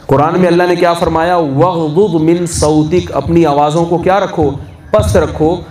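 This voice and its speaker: A man's voice: on the high side, steady tone, darkish tone. A man giving a sermon to a gathering, asking his listeners questions and answering them himself. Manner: conversational, asks the audience questions and answers them. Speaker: religious scholar. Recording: echoey hall from a distance, faint noise.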